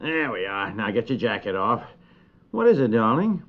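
A man's voice: lowish voice, sing-song, moderate pace. A man playing an affectionate, concerned suburban father in a 1950s radio comedy, speaking in a homely, coaxing, conversational way. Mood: fond, coaxing. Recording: dull 1950s radio recording.

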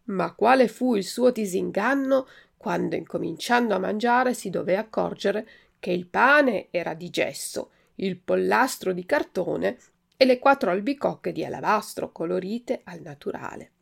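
A woman narrating a children's story aloud in an expressive, lively way. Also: mid-range voice, measured pace, gravelly. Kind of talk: storybook reading.

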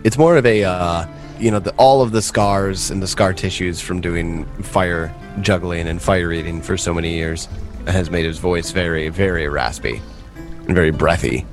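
A man's voice: deep voice, moderate pace, faint music behind. A man running a tabletop role-playing game as game master, with rambling narration full of fillers.

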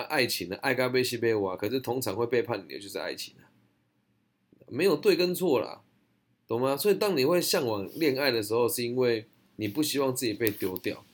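A young man with a Taiwanese Mandarin accent, answering audience questions in a blunt, slangy, chatty way. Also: medium pitch. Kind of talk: casual Q&A monologue.

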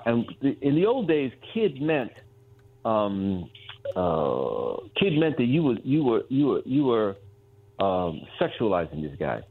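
A man, a guest on a radio talk show, telling a story with lively acted-out voices. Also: medium pitch. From New York. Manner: animated storyteller acting out voices of others. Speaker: guest author. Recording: tinny phone line.

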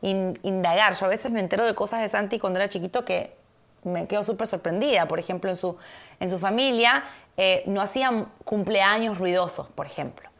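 Woman podcast co-host, gravelly voice, lively, emphatic casual chat. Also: medium pitch, fairly quick. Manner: animated, emphatic, repeats words for effect.

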